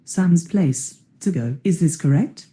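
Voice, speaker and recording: A polite automated taxi assistant, voiced by a performer. The tone is deeply soft and dark, delivering scripted service phrases with courtesy. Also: expressive, slow. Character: polite automated self-driving cab assistant.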